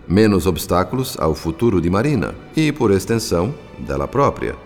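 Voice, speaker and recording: A man with a Brazilian accent narrating a radio drama in a solemn, formal, literary manner. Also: low voice. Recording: long reverb, soft music behind.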